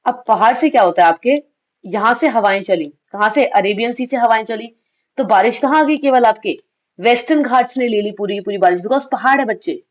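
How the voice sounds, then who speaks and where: A woman's voice: a little high, fairly quick. A woman teaching an exam revision lesson with a slightly sore throat, asking questions and answering them herself and mixing in English phrases. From India. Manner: addresses students as kids.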